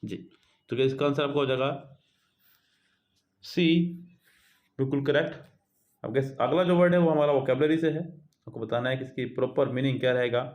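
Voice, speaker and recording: A man teaching an exam prep lesson. He reads each English question out slowly, then explains it in Hindi, addressing his students as guys and children. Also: medium pitch, a little mellow.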